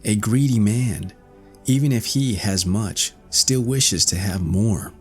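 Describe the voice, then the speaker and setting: Low male voice, audiobook narrator, scripted fairy tale storytelling, faint background music.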